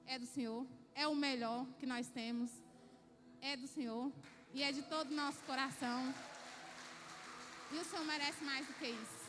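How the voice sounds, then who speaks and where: A woman's voice: high voice, fairly even intonation, normal speed, pauses often. A Brazilian woman gives a fervent, emphatic church testimony, repeating herself for emphasis, in a church hall on a handheld mic. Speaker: church member giving testimony.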